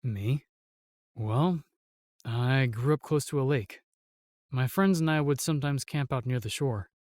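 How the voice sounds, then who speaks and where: A man's voice: medium pitch, a little slow, a little mellow, no echo, clean studio sound, natural voice. An actor playing a protective male knight in a fantasy audio roleplay, formal, courteous and earnest. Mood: gentle, courteous.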